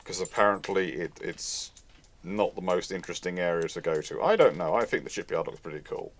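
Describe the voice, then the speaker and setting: Low-pitched and speaking a little quickly, a man hosts a live Q&A, taking questions from the audience. His answers wander, and he often repeats and rephrases what he says.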